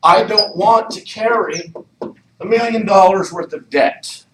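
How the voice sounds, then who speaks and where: Man, trainer, coaching with questions, slow delivery, faint room hum. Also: sits high. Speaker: real estate trainer. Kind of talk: training session talk. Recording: echoey room, mic far off.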